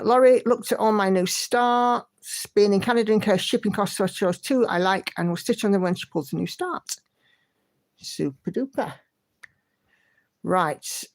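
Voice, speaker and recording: A woman's voice: medium pitch, a little mellow. Chatty woman hosting a stream. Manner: chatty and encouraging, hums to herself. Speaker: livestream host. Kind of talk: casual chat reading viewer comments.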